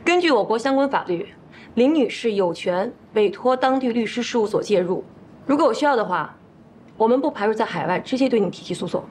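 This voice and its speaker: An actress as a professional divorce lawyer, firm and formal. Her voice is fairly high, in television drama dialogue. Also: animated, fairly quick, noisy background, lightly acted.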